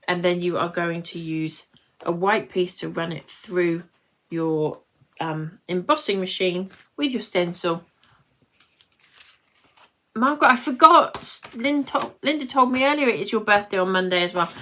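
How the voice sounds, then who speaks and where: Speaking at a measured pace in a low, sharp voice, this British craft tutorial host in her late forties leads a live demonstration. She keeps breaking off to ramble and chat with her viewers.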